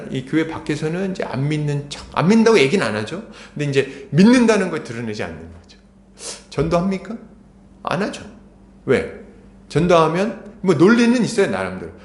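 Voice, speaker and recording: A middle-aged man pastor preaching a sermon in a church, conversational and full of rhetorical questions. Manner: grows urgent and raised in pitch. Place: church sanctuary. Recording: echoey church hall.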